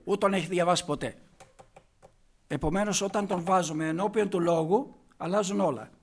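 High-voiced man preaching emphatically. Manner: emphatic, with rhetorical questions to the congregation; shifts between hushed asides and loud stressed points. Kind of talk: sermon.

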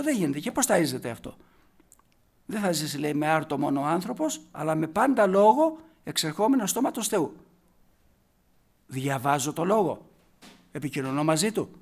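A man with a notably high-pitched voice preaches a sermon. He speaks with emphasis and keeps putting rhetorical questions to his listeners. He drops to quiet, slow passages to stress key words, then rises into loud, forceful bursts.

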